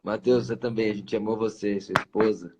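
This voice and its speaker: A man's voice: lowish voice, little pitch movement, brisk, background noise. A man hosting a Christian live stream, talking in an effusive, emotional way and repeating himself. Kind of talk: casual live-stream farewell.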